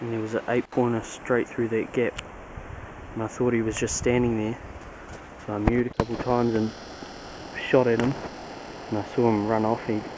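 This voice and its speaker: Delivery is fairly quick, with monotone, flat intonation. The sound is dry with no echo, but noticeable background noise is present. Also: man. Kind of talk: casual vlog narration. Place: forest. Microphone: phone near.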